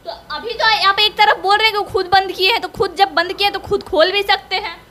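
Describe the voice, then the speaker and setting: A woman's voice: extremely high pitch, fairly even intonation, brisk, bright, forceful tone. A woman interviewing a politician, pressing with probing follow-up questions.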